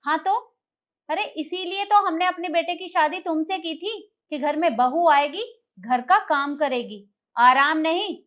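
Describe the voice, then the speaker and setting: A woman's voice: very high-pitched, a little slow, a bit bright. An actress playing a scheming, domineering mother-in-law who scolds and complains in a family drama. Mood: scolding. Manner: scolding, self-pitying. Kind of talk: Hindi family drama acting.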